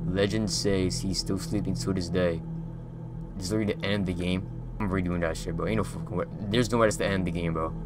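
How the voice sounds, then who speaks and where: A young man with a fairly low speaking voice calls out a horror game as he plays, swearing freely and bursting into loud yelps. His casual streamer talk sits over music playing clearly underneath. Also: fairly even intonation, fast talker. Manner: profane, loud reactions, yelling at the game. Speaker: gaming YouTuber.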